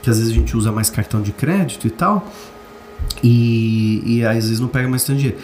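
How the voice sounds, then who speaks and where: A man with a Brazilian Portuguese accent hosting a casual motivational talk. He jumps up in pitch when mimicking complainers and searches for words with chatty fillers. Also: brisk, a little mellow, faint music behind. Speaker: host. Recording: roomy echo with faint background noise.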